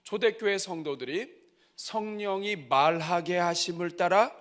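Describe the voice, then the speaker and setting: A middle-aged man preaching at a church revival, moving from soft asides to loud cries. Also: high-pitched, a little slow. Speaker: pastor. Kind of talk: revival sermon. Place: church sanctuary.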